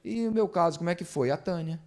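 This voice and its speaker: A man's voice: fairly high pitch, fast talker, a little mellow. A man, preaching a sermon in church and asking the congregation rhetorical questions. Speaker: pastor. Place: church service.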